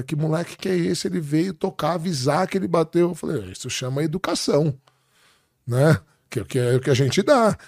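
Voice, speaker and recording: Brazilian man telling animated anecdotes. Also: on the high side, no echo, studio quality. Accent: Brazilian Portuguese. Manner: animated anecdotes with quoted dialogue. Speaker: podcast guest. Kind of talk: casual storytelling.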